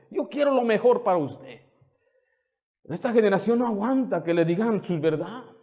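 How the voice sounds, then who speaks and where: A man's voice: high voice, darkish tone. A man pastor preaching a sermon, fervent and indignant, firing rhetorical questions at the congregation. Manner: indignant, scolding.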